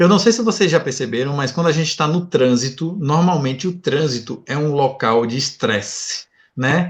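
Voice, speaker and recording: A man's fairly high, somewhat breathy voice with a northeastern Brazilian accent, lively intonation and a moderate pace. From Brazilian Northeast. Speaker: lecturer, musician and civil servant. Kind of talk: lecture. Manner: hesitant, many fillers and repetitions.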